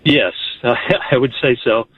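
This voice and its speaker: A man calling in to a radio show, halting and full of fillers, chuckling as he talks. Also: medium pitch, slightly rough, no echo. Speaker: caller. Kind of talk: phone-in caller chat. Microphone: telephone. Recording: muffled phone line.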